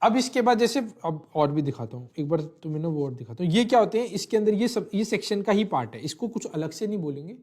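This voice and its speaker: A man's voice: high-pitched, expressive, quick pace, hardly any pauses, a little mellow. A man teaching a law lecture, mixing English terms into his talk and often checking in with the listener. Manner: explanatory, repeats phrases and checks with "thik hai"; mixes English legal terms into Hindi. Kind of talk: online lecture walking through a legal text.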